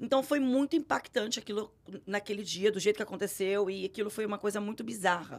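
A woman speaks at a fairly quick pace in an unremarkable speaking voice, her medium pitch showing ordinary pitch variation. The recording is very clean, with a silent background. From Santos, Brazil. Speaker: entrepreneur. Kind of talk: interview. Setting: studio.

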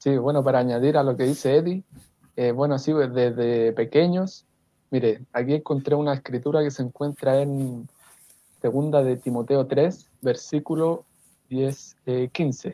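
This man talks fairly slowly, his fairly high pitch carrying a dark, mellow tone and fairly even intonation. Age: 20s. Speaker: radio panelist. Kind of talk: casual chat. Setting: video call.

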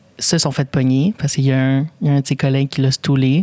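At a moderate pace, a woman speaks in a very deep, low voice with a dark, mellow tone. The sound is dry and close, with no echo. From Quebec, Longueuil. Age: 20s. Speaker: podcast co-host. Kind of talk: casual chat.

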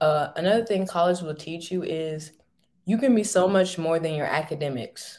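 Using a plain, everyday voice, a woman speaks in a fairly low pitch at a moderate pace with ordinary pitch variation. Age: young (19). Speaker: college student podcast co-host. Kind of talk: casual chat.

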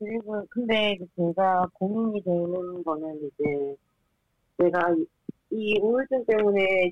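The woman's medium pitch varies in an ordinary way as she talks at a very slow pace. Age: 20s. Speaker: caller. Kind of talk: personal testimony. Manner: halting.

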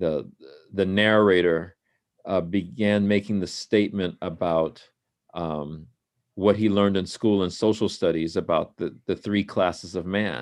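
With an American accent, a man speaks fairly slowly in a very deep, low pitch, his intonation fairly even. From Southern California (South Central Los Angeles). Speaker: pastor. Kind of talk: casual chat. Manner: halting.

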